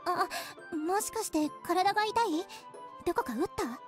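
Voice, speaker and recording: A woman's voice: extremely high pitch, expressive, fast talker. A woman playing a caring, easygoing teenage girl in an anime visual novel game. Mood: gently concerned. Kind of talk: Japanese visual novel voice acting. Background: game music.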